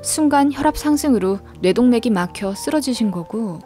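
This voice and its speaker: Woman narrator, scripted true story, higher voice, soft music underneath. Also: animated, normal speed.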